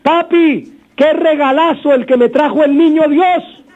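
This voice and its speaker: A man's voice: very high voice, fairly quick. A man voicing a cheerful, optimistic boy who is thrilled with his gift. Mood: overjoyed. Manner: excited, overjoyed. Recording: dull radio broadcast, faint music.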